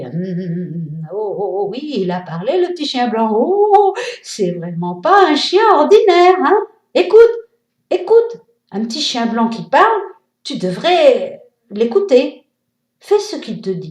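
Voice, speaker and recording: Using a put-on character voice, a woman speaks at a high pitch with very wide pitch swings. Her pace is fairly slow, broken by long, frequent pauses. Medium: read story. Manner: hums and muses.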